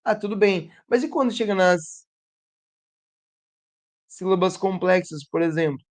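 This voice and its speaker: A man teaching a literacy lesson who sounds out letters and syllables slowly and asks his audience rhetorical questions. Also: sits high. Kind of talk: teaching lesson to educators and parents.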